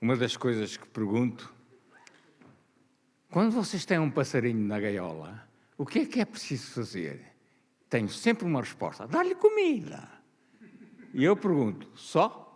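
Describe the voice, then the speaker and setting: The voice moves slowly with long, frequent pauses and vocal fry. Its pitch swings very widely. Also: man, medium pitch for a man. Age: 80s+. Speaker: botany professor. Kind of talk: lecture.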